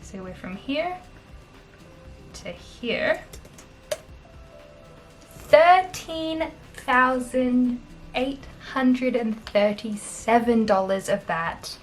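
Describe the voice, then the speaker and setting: A young Australian woman in her twenties, chatting casually on camera in a small bedroom, upbeat and quick to laugh. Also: on the high side, expressive, faint music behind, rough recording. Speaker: vlogger. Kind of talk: casual talking-head finance vlog.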